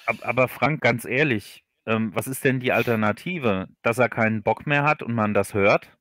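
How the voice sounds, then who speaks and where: A man chatting casually as a guest author in a livestream interview, repeating words haltingly as he explains. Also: medium pitch, fairly bright tone, no room sound, studio quality. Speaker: audio drama author, stream guest.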